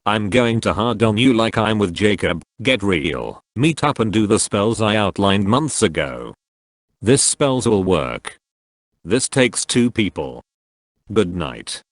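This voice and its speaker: Low-voiced man reading posts aloud. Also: very animated, slow, no room sound. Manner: reads handles and symbols out literally.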